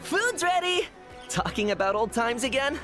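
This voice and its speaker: A friendly, practical kid from a children's gang in a video game. The voice is high and bounces up and down a lot, earnest one moment and teasing the next, over clear background music. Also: female voice, very animated, moderate pace.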